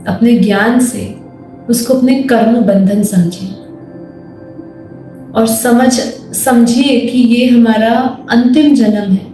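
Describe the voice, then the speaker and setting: An Indian woman leading a guided meditation with spiritual teaching, calm, measured and instructive in manner. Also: a little high. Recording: very echoey voice over faint music. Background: soft music.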